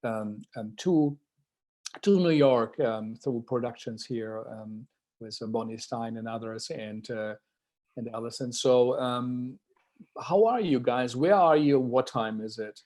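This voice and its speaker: Guy hosting a video call chat, lots of ums and restarts, mid pitch. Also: a little slow, darkish tone. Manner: hesitant, with many fillers and restarts. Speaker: host. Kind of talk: hosting a livestreamed interview.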